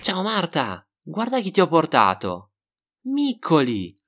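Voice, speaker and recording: A man's voice: measured pace, gravelly, exaggerated voice. A man doing Gualtiero, an eager young time traveller. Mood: excited. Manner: excited, pleading, voice jumps high.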